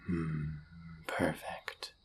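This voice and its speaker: A man playing a suave, seductive demon in a flirty audio roleplay, husky and gravelly, with a teasing, theatrical, often murmured delivery. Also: drawn-out words, whispered. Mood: possessive, flirty. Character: suave seductive male demon, smug and dangerous.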